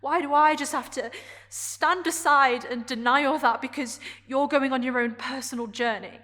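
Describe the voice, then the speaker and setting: A woman performing a dramatic stage monologue as a vulnerable, defiant gay woman confronting a partner, in halting, emotionally charged phrases. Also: medium pitch, steady tone. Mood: hurt, defiant.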